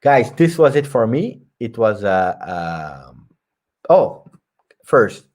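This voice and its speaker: A man's voice: on the low side, sing-song, slow, darkish tone. A man hosting a live post-match football reaction stream, talking emphatically and reading viewer comments aloud. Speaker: football channel host.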